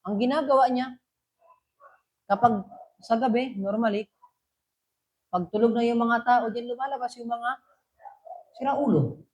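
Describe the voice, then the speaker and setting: A woman teaching a religious lesson. She recites Arabic phrases and then explains them in a relaxed, conversational way, checking in with her listeners. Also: on the high side, normal speed, long pauses, low-quality recording. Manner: asks listeners rhetorical checks. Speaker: Islamic teacher.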